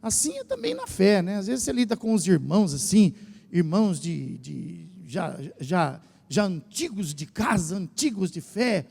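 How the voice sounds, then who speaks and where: A Brazilian man with a São Paulo accent preaching a lively sermon as pastor, drawing the congregation into call and response. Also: sits high, measured pace, gravelly, slightly rough. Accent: Brazilian Portuguese, São Paulo state. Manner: animated preaching, asks the congregation to repeat phrases. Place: church hall. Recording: church hall with long reverb.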